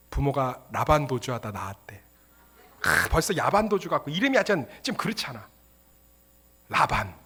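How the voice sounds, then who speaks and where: 남성 목사가 교회에서 목소리를 흉내 내 가며 유머러스한 이야기로 설교한다. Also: male voice, on the high side, bright, forceful tone, breathy edge. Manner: humorous storytelling, acting out voices. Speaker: pastor. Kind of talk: sermon. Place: church.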